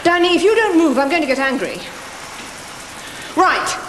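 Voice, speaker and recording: High-voiced stern British teacher, very echoey. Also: female voice, sing-song, normal speed. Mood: stern exasperation. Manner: strict, clipped, scolding. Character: stern, exasperated female schoolteacher demanding respect. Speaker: actor in a school drama series. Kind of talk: television drama acting. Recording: echoey hard space with rain noise.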